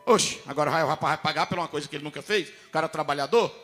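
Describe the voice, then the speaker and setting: A man's voice: fairly high pitch, rapid-fire, fairly bright tone, long reverb tail, faint music behind. A man preaching a testimony, telling his story emphatically and acting out the other people's voices. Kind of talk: testimony sermon.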